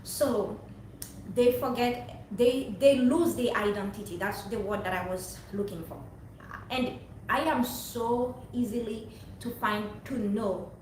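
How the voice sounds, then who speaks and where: A woman's voice: a little high, takes it slowly, a little mellow. A young woman from Haiti, talking to her viewers in a rambling, earnest, preachy monologue. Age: young adult. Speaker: vlogger. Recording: very echoey room, distant mic, faint noise.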